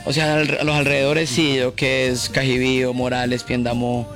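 A man's voice: medium pitch, completely flat delivery, normal speed, a bit bright, faint music behind. A man from Colombia, a singer guest, chatting casually and openly, often restarting his sentences. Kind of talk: casual chat.

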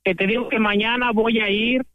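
Hesitant high-voiced Mexican man. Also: steady tone, narrow, tinny audio. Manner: hesitant, fills pauses with "este". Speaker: father calling his mother. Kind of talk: casual phone chat.

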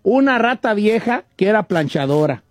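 A man's voice: high voice, big pitch swings, normal speed, no echo. A man hosting a radio show, joking and quizzing his co-hosts in casual banter. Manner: joking, teasing, quizzing guests. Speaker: radio host.

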